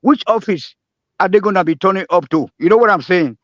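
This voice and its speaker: A man's voice: sits high, brisk, a bit bright, no echo. Rambling Nigerian man on a dull stream. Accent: Nigerian, Pidgin-inflected. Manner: rambling, laughing, emphatic, repeats himself. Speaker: caller in a live audio room. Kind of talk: casual live-room chat. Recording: dull lo-fi dry stream audio.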